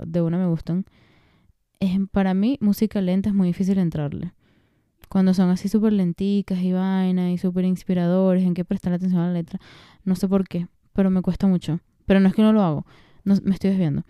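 A woman's voice: fairly low pitch, warm tone, clear, resonant tone, dry recording. A young woman hosting a chatty, digressive podcast, laughing often as she talks. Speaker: podcast host. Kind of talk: casual chat.

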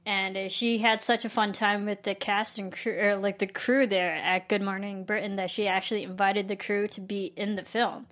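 Woman, casual film-chat co-host, mid-pitched, chatty, restarts sentences, laughs easily. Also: level tone, moderate pace, few pauses, a bit bright. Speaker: podcast co-host.

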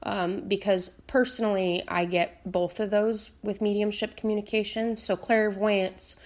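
A woman speaking casually to camera as a teacher, her voice a little raspy, with many fillers and restarts. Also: medium pitch, flat delivery, unhurried, a little mellow. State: slightly raspy voice. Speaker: psychic medium teacher.

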